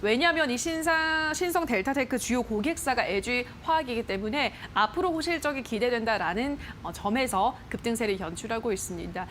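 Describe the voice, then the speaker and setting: A woman's voice: on the high side, animated, brisk, few pauses, a little hiss or hum. A woman hosting a TV stock program, reading viewer posts aloud and questioning an expert in a chatty broadcast manner. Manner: bright, chatty, reads posts aloud with playful voices. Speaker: stock show host. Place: TV studio.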